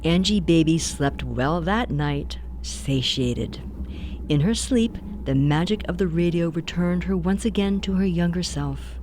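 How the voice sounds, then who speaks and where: A woman playing a grandmotherly storyteller who narrates a spooky radio play with deliberate suspense. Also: on the low side, a little hiss or hum, natural voice. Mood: wry. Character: grandmotherly horror storyteller regaling children with spooky tales. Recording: loud music bed under the voice.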